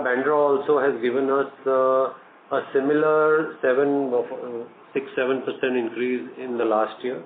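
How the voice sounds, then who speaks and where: An Indian-accented male company executive answering earnings-call questions in a measured, halting, businesslike way over a conference phone line. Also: medium pitch. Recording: echoey tinny conference phone line, noisy.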